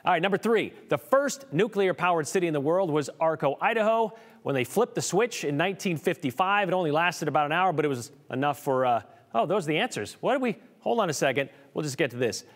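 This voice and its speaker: A middle-aged man hosting a TV segment in a studio, playful and jokey, reading trivia with a lively delivery. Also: fairly high pitch, fast, in a large hall. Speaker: TV show host. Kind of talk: lively scripted TV segment with jokes. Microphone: studio mic, standing presenter.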